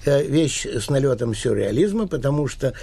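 A man hosting a radio talk show, talking insistently and pausing often with hesitant filler sounds. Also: medium pitch, very animated, vocal fry, warm tone, husky. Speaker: radio host interviewing a writer.

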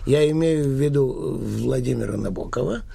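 Gravelly, husky-voiced man hosting a talk show. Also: medium pitch, moderate pace, dark tone. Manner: hesitant, full of filler sounds, insistent. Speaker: radio host interviewing a writer. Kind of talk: radio talk show conversation.

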